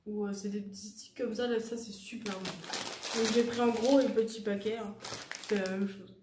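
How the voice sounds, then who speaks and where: A woman's voice: mid-range voice, fairly even intonation, moderate pace. A young woman chatting casually through a shopping haul, rambling and correcting herself with many fillers. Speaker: vlogger showing a shopping haul. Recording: echoey room with faint noise.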